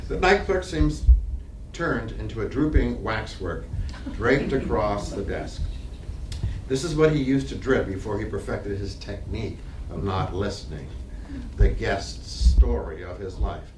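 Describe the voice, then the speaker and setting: Low-voiced male narrator in echoey room. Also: lively intonation, unhurried. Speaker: narrator reading stage directions. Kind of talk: scripted dramatic narration. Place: library reading room, live reading. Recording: echoey room, distant mic, faint noise.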